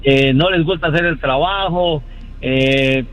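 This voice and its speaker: A man's voice: fairly high pitch, unhurried, over a noisy crowd, low-quality recording. A Colombian man calling in to a radio show, hesitant and repeating his words as he speaks. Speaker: caller, construction foreman. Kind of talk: call-in radio chat.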